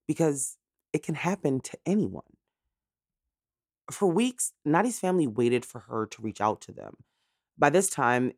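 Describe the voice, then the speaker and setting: A woman's voice: rumbling low, a little mellow, no room sound, studio quality. A woman hosting a true crime podcast, narrating a scripted story in a suspenseful, dramatic way.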